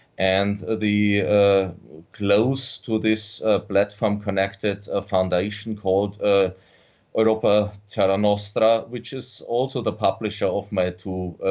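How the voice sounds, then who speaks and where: A man with a German accent at a very slow pace, with hardly any pauses. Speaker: politician. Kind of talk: interview. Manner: halting, repeating words.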